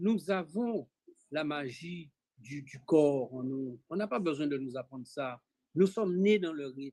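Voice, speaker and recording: A man talks at a very slow pace, his loudness swinging widely and his intonation lively. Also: fairly high pitch for a man. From Congo. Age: 60s. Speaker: cultural speaker. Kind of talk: moral exhortation.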